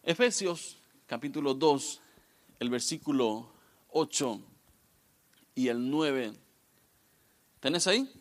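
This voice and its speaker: A man in his thirties, a guest pastor, giving a lively, joking youth sermon straight to the audience. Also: medium pitch, takes it slowly, long pauses. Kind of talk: youth sermon with humorous stories.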